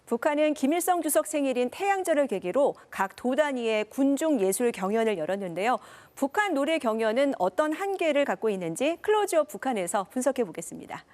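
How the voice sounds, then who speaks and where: A woman's voice: high voice, sing-song, a little fast, hardly any pauses, a little mellow. A woman presenting a scripted news program in a studio.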